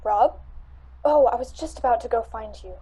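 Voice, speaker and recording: A woman's voice: a little high, normal speed, mellow, breathy edge, lo-fi sound. A woman playing an earnest, caring female friend of a detective in an amateur radio drama. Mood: hesitant.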